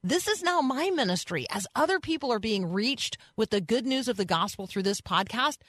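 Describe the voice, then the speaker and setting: A woman's voice: on the high side, animated, normal speed, fairly bright tone, dry recording, clean studio sound. A woman hosting a Christian radio show in a casual, conversational way, chatty and encouraging as she addresses listeners directly.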